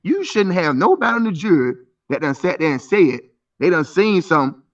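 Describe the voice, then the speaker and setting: A man's voice: on the high side, very animated, brisk. A man in his thirties arguing insistently in a live stream debate, stumbling through repeated restarts. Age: 30s. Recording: muffled voice from a distance.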